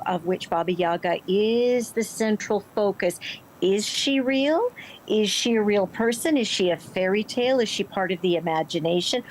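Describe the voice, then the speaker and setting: A middle-aged woman, an actor, answering interview questions in an expressive, emphatic conversational way. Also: fairly low pitch, a little hiss or hum, rough recording. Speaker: stage and film actor, interview guest.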